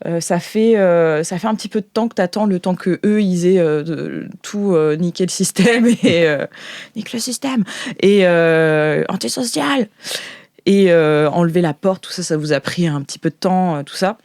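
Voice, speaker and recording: A woman hosting as game master, narrating an improvised tabletop game in a playful, colloquial, halting way. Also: lowish voice, darkish tone, no echo, studio quality.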